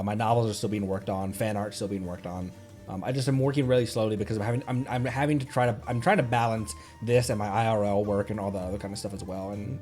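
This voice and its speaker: A man's voice: medium pitch, darkish tone. A man chatting casually on a livestream during gameplay, easygoing and rambling as he corrects himself. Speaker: livestreamer, VTuber. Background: faint game music.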